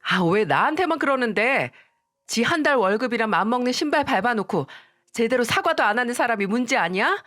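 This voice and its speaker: A woman voicing an arrogant, spoiled young woman who talks down to her sister-in-law in a shrill, contemptuous tone. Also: expressive, brisk, a bit bright.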